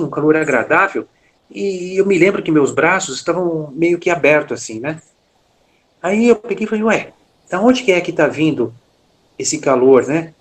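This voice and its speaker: A man's voice: fairly high pitch, slightly rough. Hesitant Brazilian man recounting an experience. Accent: Brazilian Portuguese. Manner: frequent filler "né", hesitant restarts. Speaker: interview guest. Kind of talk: personal testimony in conversation.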